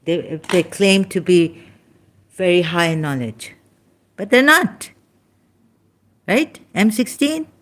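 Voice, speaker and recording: A woman with a Pakistani accent speaks unhurriedly in a lowish voice, picking her way through broken English. She stops and restarts often, explaining things at a slow, deliberate pace. She sounds tired and a little winded. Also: lively intonation. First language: Sindhi. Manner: tired, winded and soft-spoken in later part. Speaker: religious commentator. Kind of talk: informal religious talk.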